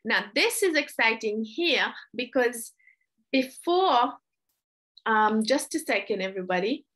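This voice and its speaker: A young adult woman tutor explaining test changes in a casual, chatty way, often apologizing and filling pauses. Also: fairly high pitch, expressive, a bit bright, low-quality recording. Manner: chatty, apologetic, with frequent fillers.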